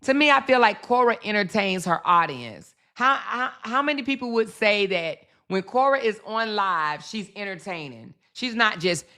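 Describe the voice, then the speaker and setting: Woman, live-stream commentary host, bright tone, chatty and repetitive. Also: medium pitch, animated, moderate pace, hardly any pauses. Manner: chatty, calls viewers baby and girl, repeats phrases.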